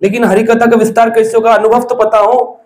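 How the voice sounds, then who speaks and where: A man's voice: very high voice, flat delivery, a little fast, a little mellow, reverberant. A man giving a devotional discourse, telling stories and asking the listeners rhetorical questions. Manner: storytelling, asks rhetorical questions. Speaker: preacher.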